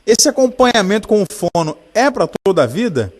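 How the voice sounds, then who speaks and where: A man's voice: high voice, sing-song, fairly quick. A man with a Brazilian Portuguese accent hosting a radio health show, chatting in an upbeat way with his guest. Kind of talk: casual radio interview.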